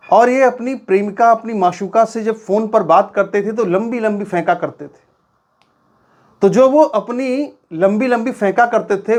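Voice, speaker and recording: A woman's voice: mid-range voice, a little mellow. A woman presenting news commentary to viewers in a colloquial, mocking way.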